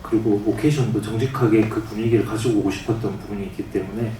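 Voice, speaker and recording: A man's voice: lowish voice, steady tone, warm tone, recorded from a distance, a little hiss or hum. Hesitant Daegu-accented man in an echoey hall. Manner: halting, with frequent restarts. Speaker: film director. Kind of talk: press conference answers. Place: cinema press conference hall.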